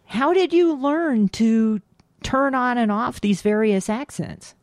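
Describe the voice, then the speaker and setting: A woman's voice: fairly high pitch, slow, no room sound, studio quality. A woman co-hosting an interview who asks careful follow-up questions. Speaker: interview co-host.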